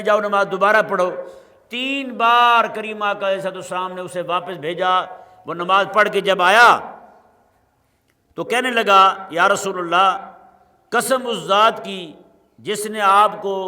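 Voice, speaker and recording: A man preaches a Friday sermon in a bright, high voice. He recites short Arabic phrases, then explains each one and checks in with his listeners through rhetorical questions. His voice carries a long reverb, as from a large mosque hall.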